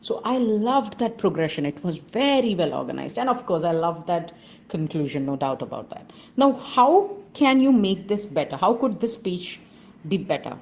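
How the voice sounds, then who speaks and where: A woman with an Indian accent and a lowish, darkish voice with big pitch swings records a speech evaluation as a message. She speaks in a measured, structured way, emphatic on key points.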